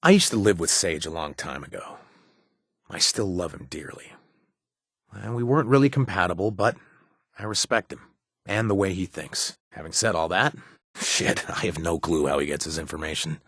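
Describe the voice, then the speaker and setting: An actor playing an earnest, haunted reformed raider in a post-apocalyptic video game, talking in a halting, confiding, casual way with a husky voice. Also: male voice, low voice, fairly bright tone, no echo, studio quality, exaggerated voice. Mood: wry, reflective. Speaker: companion character in a video game. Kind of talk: conversational video game acting.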